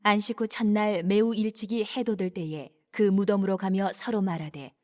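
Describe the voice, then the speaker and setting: A woman narrates a dramatized scripture text. Her pitch sits in the middle for a female voice. She reads in a measured way and enunciates each phrase. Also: fairly even intonation, darkish tone.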